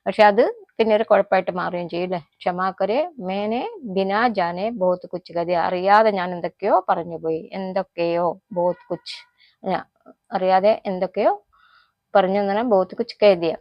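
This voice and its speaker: A woman's voice: medium pitch, fairly even intonation, no room sound, lo-fi sound. Malayali woman teaching Hindi phrases. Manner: explains phrases slowly and repeats them, sounding out example lines. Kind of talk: casual spoken-language lesson.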